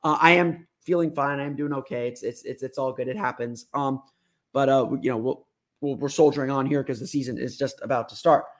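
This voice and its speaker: A man hosting a sports talk show, hoarse and a bit raspy from being under the weather, rambling and restarting his sentences. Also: medium pitch, steady tone, a little fast. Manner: rambling, repeats words and restarts. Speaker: sports podcast host.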